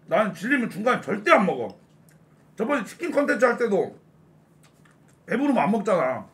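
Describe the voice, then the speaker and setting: A man's voice: sits high, very animated, brisk, a bit bright. Man talking with his mouth full. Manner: chatty, addresses viewers directly. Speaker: eating-show streamer. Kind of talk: casual live-stream chat.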